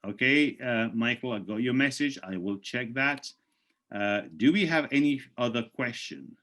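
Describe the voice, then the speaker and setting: A man hosting a live presentation on a video call, reading out questions from the chat and answering them in a persuasive, urging way, with his voice going hoarse. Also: medium pitch, normal speed, fairly bright tone. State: losing his voice.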